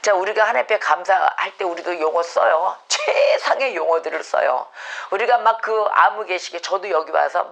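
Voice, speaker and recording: A woman's voice: on the low side, normal speed, creaky, few pauses, a bit bright. A middle-aged woman pastor preaching a sermon, acting out prayers in a pleading voice.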